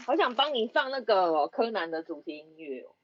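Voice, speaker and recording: A woman's voice: medium pitch, very animated, normal speed. A woman, chatting casually in a blunt, joking way. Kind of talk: casual group chat. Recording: dull, noisy online call with clicks.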